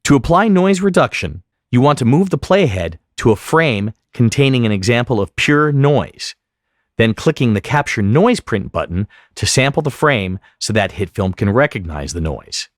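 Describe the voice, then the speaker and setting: A man narrating a software tutorial as an instructor, explaining each step methodically. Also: medium pitch, sing-song, moderate pace, no room sound, clean studio sound. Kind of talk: instructional screen-recording narration.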